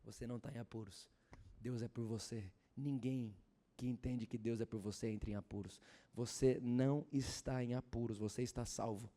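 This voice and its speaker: A man preaching a sermon at a church service, swinging from loud fervent exhortation to hushed storytelling and asking the congregation questions. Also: medium pitch, steady tone, normal speed. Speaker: pastor.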